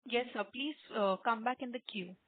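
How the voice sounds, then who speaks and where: A fairly high-voiced woman runs the call as moderator, courteous and formal, calling each caller sir. Her voice comes through a conference call line that sounds thin and tinny, like a phone line. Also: moderate pace, no echo. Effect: heard over a conference call line. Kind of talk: polite scripted call moderation.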